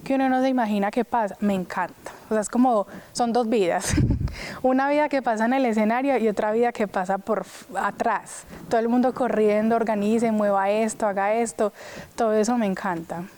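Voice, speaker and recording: A woman's voice: fairly high pitch, fairly even intonation, brisk, darkish tone, slight background noise. A young woman who sings opera, chatting casually in an interview and filling her speech with "pues" and "o sea". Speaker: opera singer.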